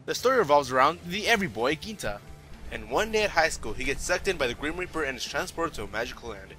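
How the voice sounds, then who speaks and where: A man's voice: on the high side, sing-song, fast talker, bright, forceful tone, faint music behind. A man giving a casual, opinionated video review as host, irreverent, sarcastic and slangy in his delivery.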